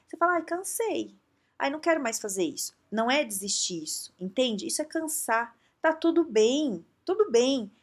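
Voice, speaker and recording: A woman with a Brazilian Portuguese accent giving advice in a casual monologue, lively and conversational, often checking that the listener follows. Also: on the high side. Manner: conversational, keeps asking "entende?"; lively, acts out quoted inner voices. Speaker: advice speaker.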